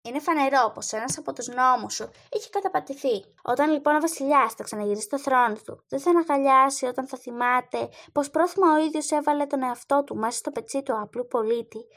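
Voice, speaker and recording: A woman's voice: sits high, hardly any pauses, a bit bright. A woman reading the part of a loyal grown man who earnestly advises a boy king in an audiobook. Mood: persuasive.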